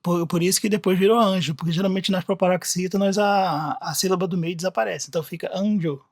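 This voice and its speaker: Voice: medium pitch, fairly even intonation, fast, no echo. Brazilian Bible teacher thinking aloud, dry sound. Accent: Brazilian Portuguese. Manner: conversational, thinking aloud, frequent "né?" and restarts. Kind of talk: explaining slides in a recorded lesson.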